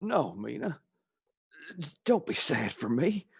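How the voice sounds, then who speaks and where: A man's voice: a little high, sing-song, takes it slowly, gravelly, breathy edge, dry recording, studio quality, full character voice. A man playing a brave, devoted vampire hunter in a radio play, impassioned and emotional. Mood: dying, tender. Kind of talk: theatrical radio play acting.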